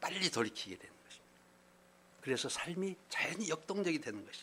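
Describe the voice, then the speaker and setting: At a moderate pace, a man talks at a high pitch. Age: 70s. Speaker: missionary preacher. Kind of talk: sermon. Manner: formal; halting.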